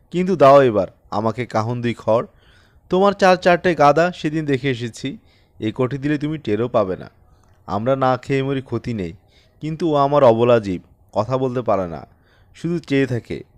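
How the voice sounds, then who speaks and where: A man's voice: mid-range voice, animated, moderate pace, long pauses, no room sound, lightly acted. A man voicing a poor, humble peasant father in an audiobook story, pleading in a deferential, plaintive way. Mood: desperate, begging.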